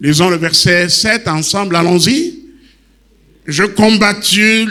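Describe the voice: Speaking slowly, a man has a high pitch and a bright, sharp tone, with ordinary pitch variation.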